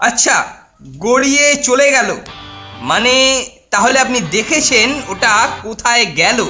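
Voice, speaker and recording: A woman's voice: a little high, unhurried, sharp tone, faint music behind. A woman voicing a boastful, bossy teenage boy who fancies himself a detective, in a cartoon. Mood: pompous. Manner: pompous, bossy. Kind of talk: cartoon voice acting.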